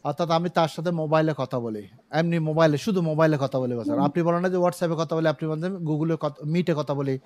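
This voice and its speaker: A man's voice: a little high, fast talker, a little mellow. A man teaching an English grammar class over a video call, explaining patiently with everyday examples and repeating the key words.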